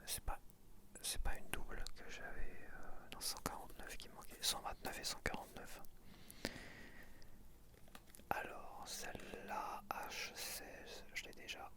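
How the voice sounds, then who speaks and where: Man, ASMR whisper, breathy and unvoiced, quiet self-talk. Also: unhurried. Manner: soft unvoiced whisper, murmuring to himself. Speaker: ASMR creator. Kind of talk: whispered ASMR while sorting stickers.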